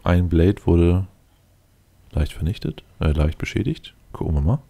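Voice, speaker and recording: Very deep, creaky man commentating. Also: lively intonation, unhurried, mellow, a little hiss or hum. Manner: muttering to himself, addressing game units directly. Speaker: let's player commenting on his game. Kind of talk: casual gameplay commentary, thinking aloud.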